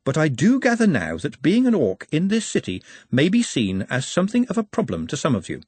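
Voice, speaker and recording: A man voicing a calm, courteous orc. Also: fairly high pitch, a little fast, husky, dry recording, voice pushed up, exaggerated voice. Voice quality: formal, polite, pedantic phrasing. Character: courteous, precise male orc, menacingly calm.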